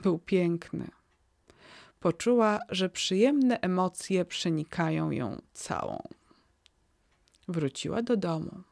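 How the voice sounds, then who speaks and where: A woman podcast host narrating a fairy tale in a calm, gentle way. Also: lowish voice, takes it slowly, vocal fry, long pauses, no room sound.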